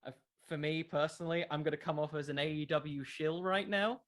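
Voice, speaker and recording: A man's voice: a little high, steady tone, a little fast, a bit bright. A man who makes a podcast, answering in a casual interview, explaining his views with plenty of qualifiers. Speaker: podcast creator being interviewed.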